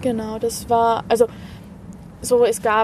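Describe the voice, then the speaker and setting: A woman speaks with a fairly high pitch. Noticeable background noise sits behind her voice. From South Tyrol, Italy. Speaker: student union representative. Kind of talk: interview. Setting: outdoors on a rooftop.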